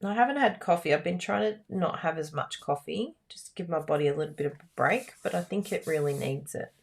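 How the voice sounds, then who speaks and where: A woman with a croaky voice, hosting a live card-making class in a chatty, giggly, self-teasing way. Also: lowish voice, expressive, a little fast. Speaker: card-making instructor and livestream host. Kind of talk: live craft class chat.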